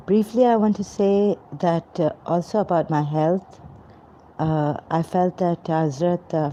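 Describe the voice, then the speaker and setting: Slow, low-voiced woman, halting monologue. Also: mellow. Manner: halting, many pauses and fillers. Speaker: vlogger. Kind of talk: rambling personal monologue. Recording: dull lo-fi recording with faint noise.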